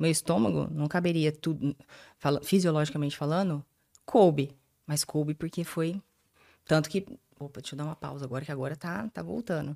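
A woman's very deep, low voice with a dark, mellow tone, ordinary pitch variation, a fairly quick pace and long, frequent pauses, on a very clean recording with a silent background. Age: 40s. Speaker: psychoanalyst, weight-loss specialist. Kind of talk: casual interview.

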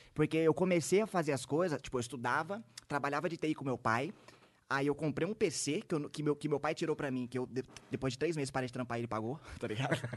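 Speech from this man comes very fast. Ordinary pitch variation runs through it. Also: fairly high pitch for a man. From Brazil, São Paulo state (Taubaté). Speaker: gamer streamer. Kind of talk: casual chat.

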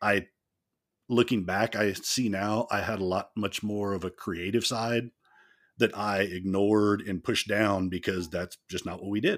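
Very clean recording, silent background, and a plain, everyday voice from a man with an American accent, fairly low in pitch, at a moderate pace with fairly even intonation. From Texas, near Dallas. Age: 50s. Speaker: police officer. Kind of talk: personal testimony interview.

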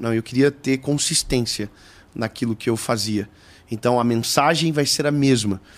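In a very clean recording with a silent background, a man with an ordinary speaking voice speaks at a moderate pace and medium pitch with fairly even intonation. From Joinville, southern Brazil. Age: 30s. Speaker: evangelist preacher. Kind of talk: casual interview chat.

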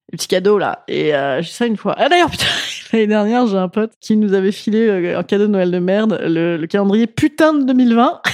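A woman's pitch swings very widely as she talks against noticeable background noise. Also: medium pitch for a woman, fairly quick pace. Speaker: podcast host. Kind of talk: casual solo monologue. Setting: alone at home. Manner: animated; quiet.

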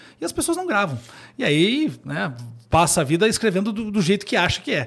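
A man is talking. His pace is fairly quick. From Brazil, Curitiba. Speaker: Portuguese language teacher and educational video creator. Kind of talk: casual interview chat. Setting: live-streamed studio podcast.

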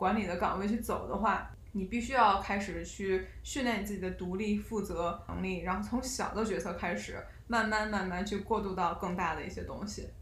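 A woman speaks at a moderate pace and medium pitch, with hardly any pauses and fairly even intonation. Audible room echo surrounds her voice. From China. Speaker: podcast co-host, senior corporate manager. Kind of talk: casual chat.

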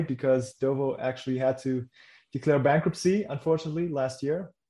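A man with a medium pitch and a dark, mellow tone keeps his intonation fairly even. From Germany. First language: German. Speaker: company CEO. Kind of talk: interview chat.

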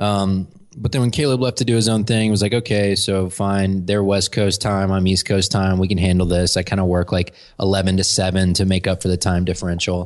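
Speaking with an American accent, a man uses a very deep, low pitch at a fairly quick pace, his loudness very even and his intonation fairly even. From US South. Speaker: entrepreneurship coach. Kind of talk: casual interview chat. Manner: articulate, concise.

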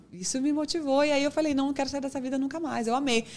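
A woman is talking. Her pace is very fast. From interior of São Paulo state, Brazil. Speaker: fitness instructor and influencer. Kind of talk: casual chat. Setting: studio.

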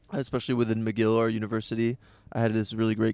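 Heard in a dry, close sound with no echo, a man talks at a very fast pace. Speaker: YouTube creator. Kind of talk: casual chat.

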